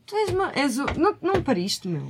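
A woman's voice: sits high, sing-song, fast talker, slight background noise. A woman with a European Portuguese accent chatting casually and informally as a podcast co-host, using plenty of slang. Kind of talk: casual chat.

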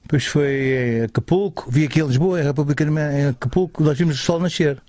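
Male guest from Alentejo, mid pitch, rambling animated storyteller, dry close mic. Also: fast, no room sound. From Alentejo, Portugal. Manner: rambling, animated, many restarts and fillers. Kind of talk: casual chat, storytelling.

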